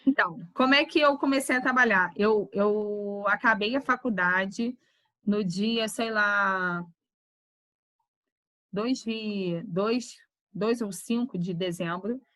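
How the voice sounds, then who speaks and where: A woman, a nursing teacher talking casually to her class and telling a lively anecdote full of quoted voices. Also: medium pitch, slow, no echo. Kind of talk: casual class talk, storytelling. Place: online class.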